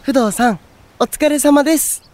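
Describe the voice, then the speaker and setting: A man's voice: very high-pitched, moderate pace, darkish tone, no echo. A man playing a cheerful, guileless boyish young man in a voice drama, polite and chatty. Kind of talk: Japanese voice drama acting.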